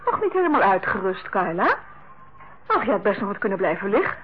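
An actress in a Dutch radio play playing a hospitable, placating mother who hushes and soothes. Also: mid-range voice, sing-song, fairly quick, close to an everyday voice. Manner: placating, gently hushing. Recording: tinny, noisy old radio recording.

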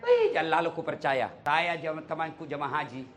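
A man's voice: on the high side, normal speed, slight background noise. A male preacher giving a sermon full of stories and rhetorical questions to the congregation. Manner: animated storytelling, rhetorical questions to the audience.

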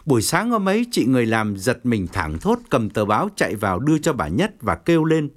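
A man narrating an audiobook novel in an expressive storytelling manner. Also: medium pitch, brisk. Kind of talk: scripted narration.

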